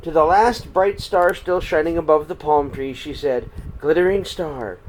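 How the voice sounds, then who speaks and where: A man's voice: fairly high pitch, normal speed. Man reading a children's story, noisy background. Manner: dramatic, swinging between hushed and projected. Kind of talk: expressive read-aloud storytelling. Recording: clear background noise.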